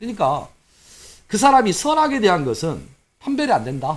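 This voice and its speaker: With audible room echo, a man speaks very fast in a high voice that swings very widely in pitch. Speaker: law lecturer. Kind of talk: lecture. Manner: casual, conversational with filler.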